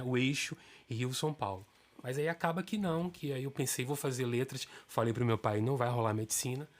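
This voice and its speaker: A man in his fifties from Salvador with a Bahian Brazilian accent, telling his life story as a guest in a relaxed interview. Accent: Bahian Brazilian Portuguese. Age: 50s. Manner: animated storyteller, pitch rises when excited. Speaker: guest, stage actor.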